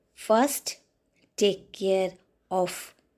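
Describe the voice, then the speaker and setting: Speaking with a Bengali accent, a woman has a dark, mellow tone. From India, West Bengal (Kolkata). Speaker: podcaster. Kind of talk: motivational monologue.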